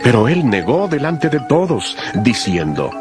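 A man's voice: mid-range voice, very animated, measured pace. A man narrating scripture from a script in a solemn style, as part of a dramatized audio Bible. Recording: music behind the voice.

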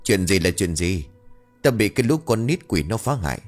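Man voicing a harsh older shrimp-farm owner, low gruff voice, faint music behind. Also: very animated, normal speed. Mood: contemptuous. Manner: gruff, bullying, barking threats.

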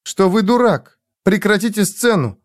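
A man voicing a lonely, high-strung young woman who pleads and frets. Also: animated, measured pace, dry recording.

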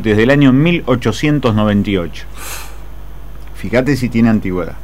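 Argentine guy on the radio, mid pitch, earnest and rhetorical, stacks up his points one by one. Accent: Argentine Spanish. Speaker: radio listener calling in. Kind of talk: impassioned political commentary.

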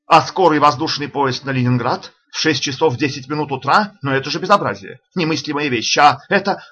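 Brief: excitable professor bursting out in anger, raised bright voice, a male reader puts him on, dull lo-fi audio. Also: a little high, fairly quick, pitched above the performer's own voice. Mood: demanding. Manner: shouting, indignant outbursts. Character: agitated male professor, hot-tempered.

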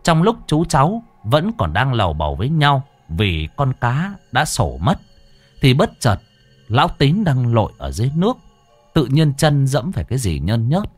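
A man narrating a folk story in a lively, earthy way. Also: medium pitch, breathy edge, no echo.

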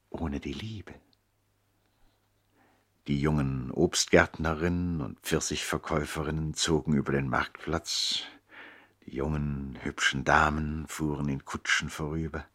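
Old-school radio drama narrator, low voice, nobleman telling his brother's story, expressive and deliberate. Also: heavily acted. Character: nobleman looking back on his brother's life. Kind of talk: literary scripted narration, 1960s radio play.

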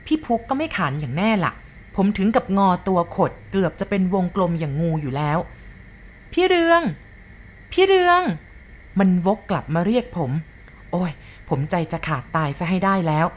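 A woman reading a first-person ghost story aloud in a dramatic, hushed storytelling manner. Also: on the low side, lively intonation, a little fast.

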